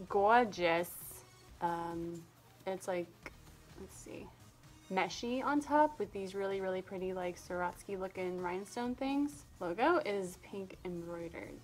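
A woman's voice: mid-range voice, a little slow, soft background music. A young woman chatting casually in a vlog, talking in an easygoing way full of "like" fillers. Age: young adult. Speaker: vlogger.

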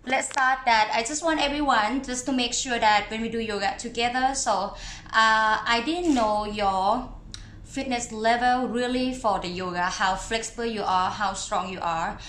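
A woman in her thirties, a yoga teacher, chatting casually and unhurriedly to her class on a live stream, with pauses. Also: a little high, a bit bright, reverberant, a little hiss or hum. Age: 30s.

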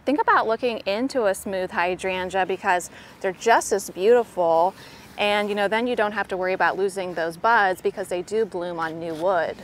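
A woman's voice: mid-range voice, moderate pace, slight background noise. A middle-aged American woman gardening vlogger, chatting directly to viewers as she shows plants in a casual tour style. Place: home garden outdoors and inside the house.

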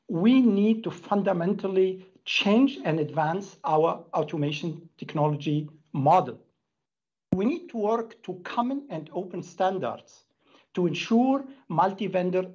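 A middle-aged man delivers a prepared business presentation with earnest emphasis. His voice is husky and rough-edged. The sound is slightly dull, as on a video call. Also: sits high, darkish tone. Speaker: company executive presenter. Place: indoor room, plain wall.

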